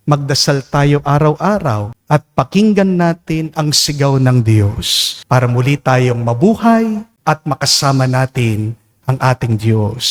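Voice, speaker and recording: A man with a Filipino accent, a Catholic priest delivering a homily at Mass in an impassioned, rising preaching style. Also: medium pitch.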